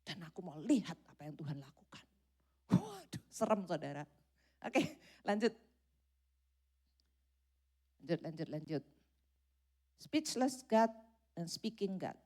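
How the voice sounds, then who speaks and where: A middle-aged woman preaching a sermon in church, lively and acting out prayers and little dialogues in changing voices. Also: medium pitch.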